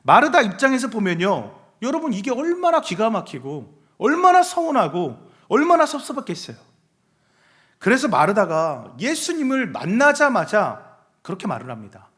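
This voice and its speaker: A man's voice: sits high, huge pitch swings, moderate pace, fairly bright tone. A male junior pastor preaching a sermon, emphatic and often putting questions to the congregation.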